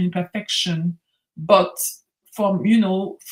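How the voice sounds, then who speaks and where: With a French accent, a woman speaks in a medium pitch. Her voice is somewhat breathy and her intonation fairly even. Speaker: writing coach. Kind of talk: live stream interview. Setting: livestream on social media. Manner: halting.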